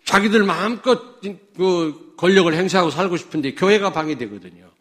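A man from Chungcheong preaching a sermon, swinging between loud declarations and low asides to the congregation, with many rhetorical questions. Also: animated, fairly quick. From Chungcheong, South Korea. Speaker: pastor.

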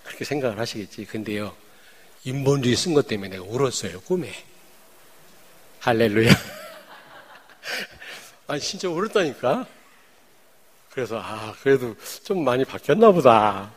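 Male pastor, sermon delivery, animated pitch, mixes booming claims with hushed asides and rhetorical questions. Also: moderate pace, long pauses.

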